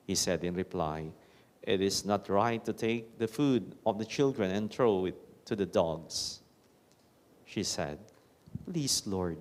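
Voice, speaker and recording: A middle-aged man with a Filipino accent speaking as a Catholic priest at Mass, his voice carrying a cathedral echo. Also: low-pitched. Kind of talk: solemn liturgical gospel reading and informal homily. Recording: long echoing church reverb.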